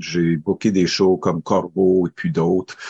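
A man speaks at a fairly slow pace in a very deep, low voice, recorded dry and close with no echo. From Northern Ontario, Sudbury area. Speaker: festival spokesperson. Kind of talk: interview.

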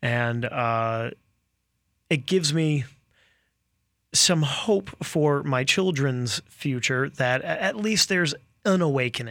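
A man's fairly high voice with lively intonation, very slow and full of long, frequent pauses, on a very clean recording with a silent background. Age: 30s. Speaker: radio co-host. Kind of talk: radio talk show. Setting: radio studio.

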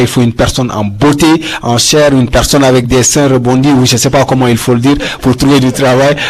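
Noticeable background noise sits behind this recording. A man speaks in a monotone, flat intonation at a fairly quick pace. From Senegal. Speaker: radio technician and musician. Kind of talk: formal debate. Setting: live radio broadcast before an audience.

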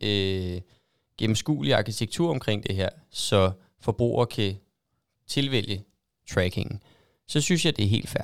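The delivery is fairly slow, with ordinary pitch variation. The sound is dry and close with no echo, on a very clean recording with a silent background. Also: man. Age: 20s. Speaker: liberal debater and writer. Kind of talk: interview conversation. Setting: studio.

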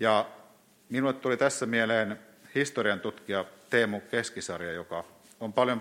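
A man's fairly low-pitched voice with ordinary pitch variation. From northern Finland, Kainuu (Vaala, Oulujärvi). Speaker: pastor. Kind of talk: sermon.

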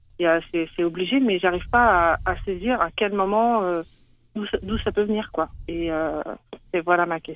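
A woman speaks at a fairly slow pace, her pitch fairly low and its variation ordinary. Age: 40s. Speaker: caller. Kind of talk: call-in advice conversation. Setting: phone call. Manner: halting.

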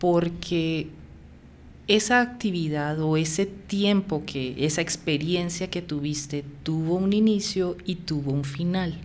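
A very slow delivery in a Bogotá accent, with ordinary pitch variation. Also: woman. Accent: Bogotá Colombian Spanish. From Colombia, Bogotá. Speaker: Spanish teacher. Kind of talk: casual chat; lesson explanation.

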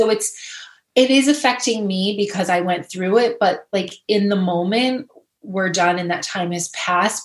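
A woman talks at a fairly slow pace with a medium pitch and ordinary pitch variation. Hers is an ordinary speaking voice. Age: 40s. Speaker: adoptive mother and social media influencer. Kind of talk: interview.

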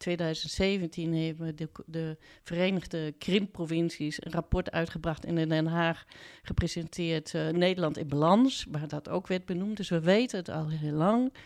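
A normal speaking voice at a fairly slow pace with ordinary pitch variation, on a very clean recording with a silent background. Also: woman, fairly low pitch for a woman. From Germany (Cologne, Düsseldorf). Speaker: professor. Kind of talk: interview discussion.

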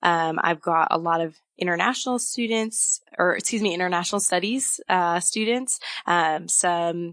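A woman with an American accent and an ordinary speaking voice, fairly low in pitch at a moderate pace, in a dry, close sound with no echo. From US Midwest, Wisconsin. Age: 20s. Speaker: university program coordinator. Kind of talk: interview.

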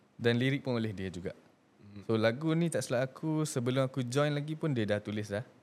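A man at a medium pitch with ordinary pitch variation, talking at a very fast pace. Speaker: singer. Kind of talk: casual chat.

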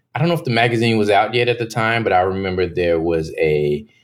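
A man's fairly low-pitched voice carries an American accent. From Dallas, Texas. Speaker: mixed media artist and life coach. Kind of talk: interview conversation.

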